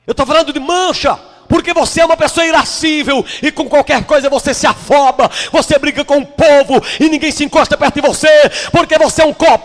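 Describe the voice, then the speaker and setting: Brazilian bishop guy preaching hard, voice way up high, big echoey church hall. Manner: impassioned, scolding preaching with shouted bursts. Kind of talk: sermon. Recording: long hall reverb.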